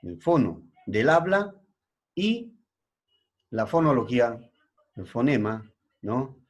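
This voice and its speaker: A husky male teacher with a Peruvian Spanish accent explains a lesson at a slow, unhurried pace. He often stops to check with his students, and his voice sits at an ordinary middle pitch. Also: sing-song. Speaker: secondary school language teacher. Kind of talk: classroom lesson.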